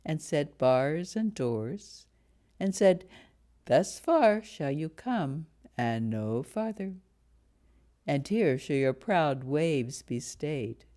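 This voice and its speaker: A woman reads scripture solemnly as a lay reader. Her voice is low and soft-edged, and she takes the text very slowly, phrase by measured phrase. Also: very animated.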